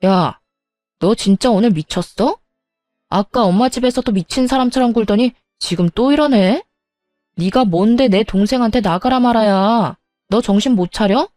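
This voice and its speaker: Woman doing a furious sister-in-law yelling insults, mellow voice, faint music behind. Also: fairly high pitch, normal speed, dry recording, natural voice. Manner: shouting, insulting. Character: hot-tempered, abusive sister-in-law.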